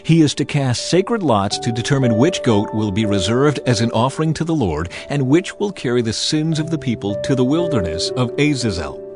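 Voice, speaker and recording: Guy reading the bible like an audio drama, solemn n measured, pitch goes up and down a lot, music behind him. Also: very animated. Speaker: scripture narrator.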